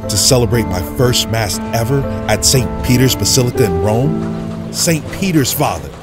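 An actor playing a humble, devout young Black American priest in an audio drama, speaking in an earnest, reverent, halting way. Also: male voice, mid-range voice, expressive, over loud music, natural voice. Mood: reflective, moved.

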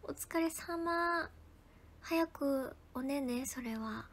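A young woman with a bright, high voice chats casually with her livestream viewers. She thanks people one by one and keeps dropping into hushed, whispered asides. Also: drawn-out words. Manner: chatty, thanks viewers by name, drops into soft whispered asides. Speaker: idol livestreamer. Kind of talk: casual livestream chat reading viewer comments.

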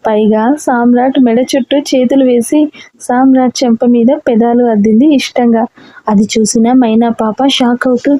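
A woman's voice: a little high, flat delivery, moderate pace, dark tone, dry recording. A woman narrating a romance story as an audiobook, reading steadily and expressively.

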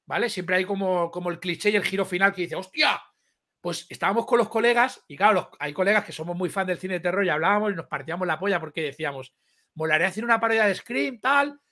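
A man with a Spain Spanish accent, hosting a casual live-stream chat, excitable and rambling, full of slang. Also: high voice, fast talker. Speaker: host.

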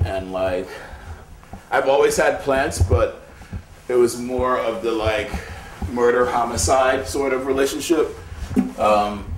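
A man talks in a relaxed, rambling way, full of filler words, at a middling pitch. Behind him a faint room ambience hums. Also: a little hiss or hum. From New York City. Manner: laid-back, rambling, lots of "like". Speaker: artist. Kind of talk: casual conversational interview.

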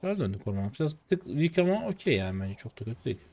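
Excitable Turkish gamer with lively pitch. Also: male voice, racing. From Turkey. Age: late 20s. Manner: slangy, excitable, shouts when the game turns. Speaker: streamer. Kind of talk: casual gameplay commentary.

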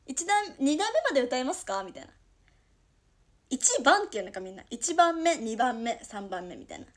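A woman's voice: high-pitched, sing-song, moderate pace. Chatty young woman with a Toyama lilt. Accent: Toyama dialect. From Toyama, Japan. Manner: chatty, reacts to viewer comments, swings between soft murmurs and bright outbursts. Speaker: idol livestream host. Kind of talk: casual livestream chat answering comments.

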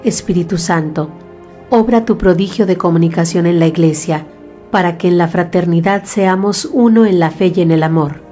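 A woman reciting a prayer in a calm, devout manner. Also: on the low side, normal speed, soft background music. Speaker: prayer reader.

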